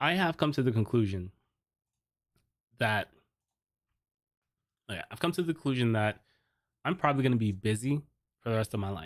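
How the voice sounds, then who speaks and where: With lively intonation at a medium pitch, a man talks at a fairly quick pace but takes long, frequent pauses, the sound dry and close with no echo. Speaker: rideshare driver and podcast host. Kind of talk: live-stream podcast chat. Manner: fast; casual, halting with repetitions.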